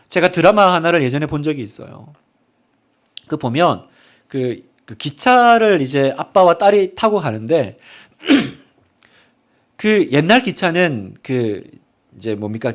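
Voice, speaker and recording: A middle-aged man preaching a Sunday sermon as a pastor, asking the congregation questions and acting out quoted dialogue. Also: fairly high pitch. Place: church sanctuary.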